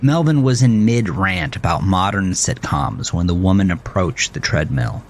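A man's voice: sits low, lively intonation, moderate pace, faint music behind. A man narrating a scripted thriller story as the storyteller.

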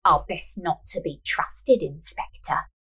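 Woman voicing a slow, mysterious fortune teller. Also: low-pitched, pushed and bright, breathy edge, pitched below the performer's own voice, exaggerated voice, poor audio. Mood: cool, inviting. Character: calm, cryptic female fortune teller, veiled and knowing. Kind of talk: amateur storytelling read-aloud.

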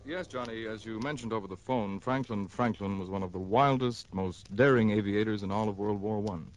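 An actor playing a calm, patient insurance executive in a 1960s radio drama, speaking in a measured, grave way. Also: male voice, fairly low pitch, no echo, close to an everyday voice, poor audio. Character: calm middle-aged male insurance executive. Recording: old radio broadcast.

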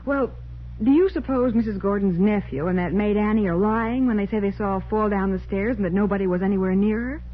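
A woman's voice: mid-range voice, a little fast, natural voice. A woman playing a curious, spirited young detective's assistant, inquisitive in 1940s radio crime drama style. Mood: speculating. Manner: inquisitive, speculating. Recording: muffled, noisy 1940s radio recording.

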